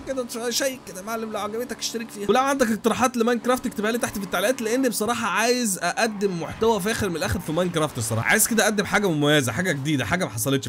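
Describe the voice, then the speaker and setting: A young Egyptian man races through excited gameplay commentary in a high, bright register, his words tumbling out very fast. He bursts into exclamations and playful shouts, with a faint hiss of noise behind him. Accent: Egyptian Arabic. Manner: rapid, animated, shouts and exclamations. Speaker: gaming YouTuber.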